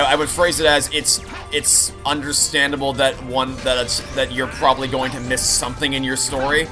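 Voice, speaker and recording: A man giving live playthrough commentary at a middle pitch, talking through his thoughts in an explanatory, analytical manner. Game music plays clearly behind his voice. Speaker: game streamer. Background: video game music and sounds.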